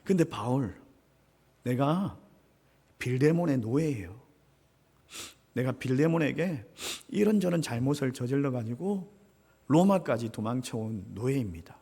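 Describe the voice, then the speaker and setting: A man's voice: lively intonation, a little slow, pauses often, slightly rough, in a large hall. A man voicing a nervous young runaway slave who speaks hesitantly and stammers. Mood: confessing. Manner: hesitant, stammering, low and quiet.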